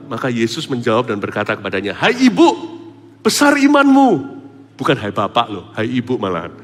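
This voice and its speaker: A man preaching a sermon as pastor, animated, swinging between loud exclamations and soft asides. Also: fairly low pitch. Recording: preaching hall with long reverb and faint music.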